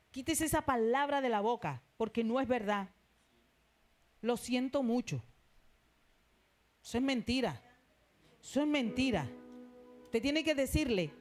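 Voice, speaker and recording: A woman pastor with a Colombian Caribbean accent, preaching an emphatic sermon in a church. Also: high-pitched. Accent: Colombian Caribbean Spanish. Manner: emphatic preaching, rising to exclamations. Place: church sanctuary.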